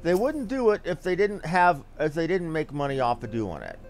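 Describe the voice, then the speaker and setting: A streamer gives casual live game commentary, rambling and blunt with some mild swearing. His fairly high voice is very animated and moderately paced, with faint music in the background.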